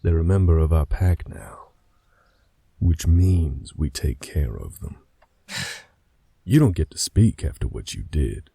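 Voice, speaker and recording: A man voicing a gravelly werewolf fighter. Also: very deep voice, animated, slow, pauses often, warm tone, no room sound, clean studio sound, exaggerated voice. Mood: resolute. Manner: firm and commanding. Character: protective male werewolf pack fighter. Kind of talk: audio drama acting.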